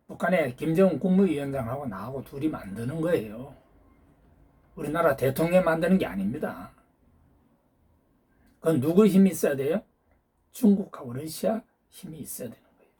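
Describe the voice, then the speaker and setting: A man's voice: a little high, expressive, moderate pace, pauses often, breathy edge. A man delivering a ranting political monologue, lecturing his listeners and firing off challenging rhetorical questions. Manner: lecturing, hectoring tone toward listeners. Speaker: YouTube channel host.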